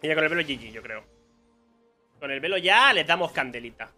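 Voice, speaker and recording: A man's voice: on the high side, lively intonation, brisk, sharp tone, faint music behind. A young man with a Spain Spanish accent giving casual live commentary on his own gameplay, muttering to himself and exclaiming when surprised. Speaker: gaming streamer.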